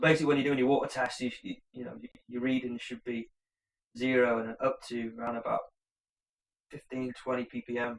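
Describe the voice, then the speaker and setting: Delivery is very fast and monotone, in a North Welsh accent. Loudness swings widely, and long pauses come often. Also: man, medium pitch for a man. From North Wales. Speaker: aquarium hobbyist YouTuber. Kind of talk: live stream Q&A. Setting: live stream at home. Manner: halting. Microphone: choppy audio, far from router.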